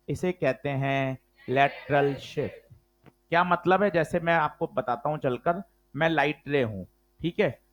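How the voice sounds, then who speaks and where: A man teaching physics in a classroom lecture, slow and emphatic, quizzing his students with questions. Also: high voice.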